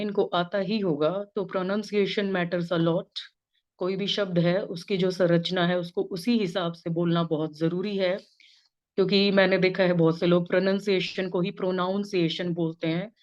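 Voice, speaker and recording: A woman lecturer from India, with a Hindi accent, explains patiently in a somewhat low voice. She moves between Hindi and English phrases like a teacher speaking in class. The recording is a little dull and muffled. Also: darkish tone. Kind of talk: informal spoken lesson.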